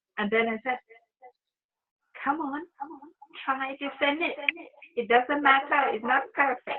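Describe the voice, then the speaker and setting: A woman with a non-native accent speaks at a high pitch and fairly slow pace, with ordinary pitch variation. Her loudness swings widely, and her pauses are long and frequent. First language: not English. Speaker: online marketer, channel owner. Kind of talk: casual interview chat. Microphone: laptop microphone.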